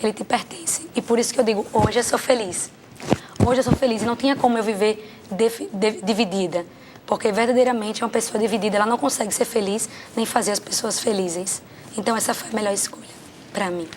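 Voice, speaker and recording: A woman's voice: medium pitch, fairly even intonation, fast talker, noisy background. A young Brazilian woman, a guest on a talk show, giving an emotional, earnest personal testimony. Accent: Brazilian Portuguese. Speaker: guest, journalist and former model.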